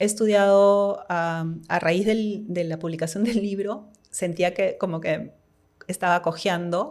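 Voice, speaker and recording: With an unremarkable speaking voice, a woman speaks at a fairly slow pace, her fairly low pitch showing ordinary variation. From Peru, Lima. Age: 50s. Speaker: author. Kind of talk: interview.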